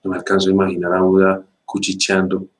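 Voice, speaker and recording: A man with a fairly low voice delivers a spiritual teaching. He speaks emphatically and rhetorically, piling up repeated phrases, and turns slow and calm when he guides a meditation. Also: poor audio.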